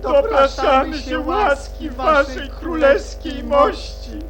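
An actor playing a meek, anxious playing-card gardener in a radio play, apologetic and hesitant. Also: male voice, extremely high pitch, slow pace, over music. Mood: meek, pleading.

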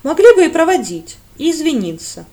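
A woman voicing a sulky, indignant young novice nun who speaks high and loud. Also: very animated, brisk. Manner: petulant, huffy.

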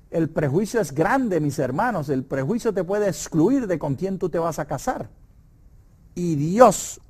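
A man's voice: fairly high pitch, darkish tone. A middle-aged Puerto Rican man with a Puerto Rican Spanish accent, leading a conversational Bible study lesson in an emphatic, preacherly way. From Puerto Rico.

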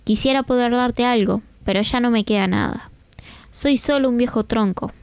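A woman voicing a gentle, generous old apple tree in a soft, tender tone, on a children's radio story. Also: on the high side, moderate pace, smooth, no room sound, natural voice.

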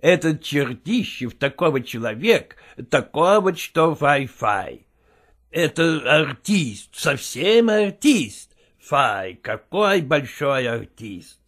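A man's voice: on the high side, big pitch swings, a bit bright, full character voice. A man voicing an evasive, fussy male theatre partner who speaks broken Russian with a Yiddish-flavoured accent. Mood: lamenting. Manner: drawn-out, wheedling, broken grammar. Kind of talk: audiobook character voice.

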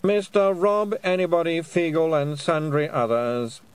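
Guy doing a stuffy lawyer reading charges, slow and drony. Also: on the high side, steady tone, clear, resonant tone, dry recording, pitched above the performer's own voice, close to an everyday voice. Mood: droning formal. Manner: formal, slow, droning. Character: dry, pompous male lawyer.

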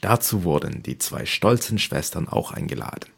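Deep, husky male fairy-tale reader. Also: animated, normal speed, a bit bright. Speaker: narrator.

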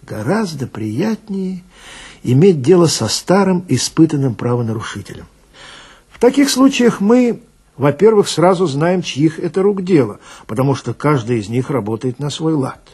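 A man playing a chatty, grumbling police detective who tells his story wryly and confidingly, with dramatic pauses, in a radio reading with a gravelly, husky voice. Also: fairly high pitch, very animated, darkish tone.

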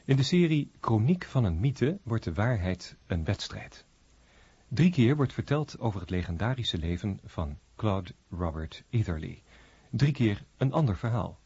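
Husky, low-voiced male radio announcer. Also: sing-song, unhurried, mellow, no echo, highs cut off. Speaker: radio announcer introducing a radio play. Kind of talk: scripted radio introduction.

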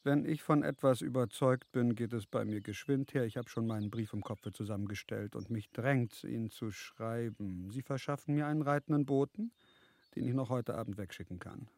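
An actor playing a worldly, self-assured count in a radio drama, charming and sensual, with urbane, formal old-fashioned phrasing. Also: male voice, mid-range voice, normal speed, darkish tone, close to an everyday voice. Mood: brisk, eager. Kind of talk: literary radio drama acting.

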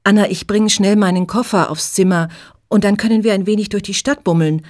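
A woman's voice: medium pitch, fairly even intonation, a little fast, a little mellow, no room sound, clean studio sound, natural voice. A woman voicing a playful, mischievous young German woman visiting her friend. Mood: friendly.

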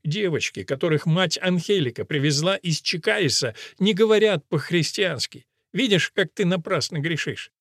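A man voicing a stern, composed mother superior who speaks in a measured, reproachful way. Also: fairly high pitch, animated, fairly bright tone, no room sound, studio quality, pitched above the performer's own voice.

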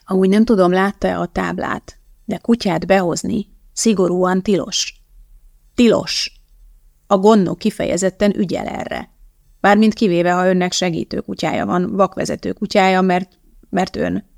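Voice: mid-range voice, steady tone, vocal fry, darkish tone, no echo, clean studio sound, lightly acted. A reader voicing a nosy, awkward male journalist who pries and then apologizes. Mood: confiding. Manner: prying, fumbling, apologetic.

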